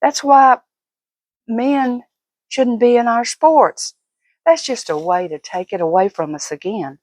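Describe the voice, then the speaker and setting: A woman's voice: a little high, slow, a little mellow, no room sound. An older woman vlogger talking casually and giving opinions in an emphatic, folksy, fussing manner.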